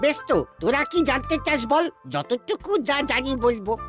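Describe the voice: A cartoonish character voice moves at a moderate pace over faint music in the background.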